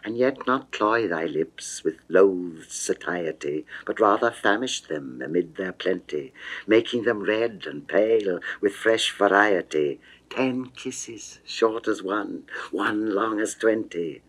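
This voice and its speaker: A man's voice: on the low side, expressive, slow, a bit bright, exaggerated voice, low-quality recording. A man voicing an amorous, coaxing goddess in a theatrical, lingering 1960s dramatic reading of verse. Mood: coaxing, seductive. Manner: theatrical, lingering, ornate delivery.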